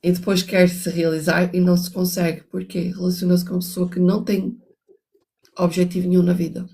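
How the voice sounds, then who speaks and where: Speaking fairly quickly in a dark, monotone, lowish voice, an older woman hosts a book discussion where she reads and analyzes the work. Her reflections meander, with frequent restarts and moralizing side comments.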